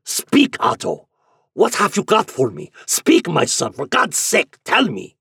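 A male narrator puts on a gruff old father, menacing and impatient. The voice is raised well above his usual pitch and rough-edged, pressing hard with vehement, barely held passion in a dramatic storybook reading. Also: wildly swooping pitch, a little slow, sharp tone, dry recording, clean studio sound, full character voice. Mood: desperate pleading. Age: older. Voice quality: gruff, vibrating with suppressed passion. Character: menacing, desperate elderly father demanding money from his son.

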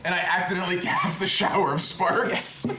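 Male player, high animated voice, jokey and profane, roomy echo. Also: moderate pace, a crowd in the background. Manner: joking, swears casually. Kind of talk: casual tabletop game chat. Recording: echoey room.

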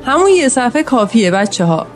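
A man's voice: very high-pitched, very animated, faint music behind, pitched above the performer's own voice. A man voicing a female schoolteacher who leads her class with a firm, solemn manner. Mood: gently commanding. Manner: solemn speechmaking.

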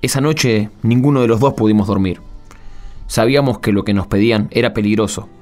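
An actor playing an anxious, resigned Argentine soldier and loyal friend in a radio drama. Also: male voice, on the low side, a little fast, darkish tone, faint music behind, close to an everyday voice. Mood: somber narrating. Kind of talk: radio drama acting with first-person narration.

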